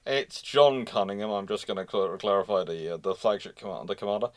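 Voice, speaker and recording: A man's voice: fairly low pitch, a little fast. Man thinking aloud as live host. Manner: discursive, repeats phrases while searching for words. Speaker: host of a live naval history question session.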